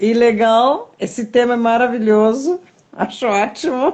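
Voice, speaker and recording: A woman with a high pitch takes a fairly slow pace, her pitch varying in an ordinary way. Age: 60s. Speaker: course participant. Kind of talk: casual live chat.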